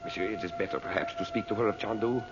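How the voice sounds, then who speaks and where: A man's voice: on the low side, wildly swooping pitch, fast, over loud music. An actor playing a deferential, scheming black-magic henchman with an insinuating manner, in old-time radio serial style. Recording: dull old radio recording.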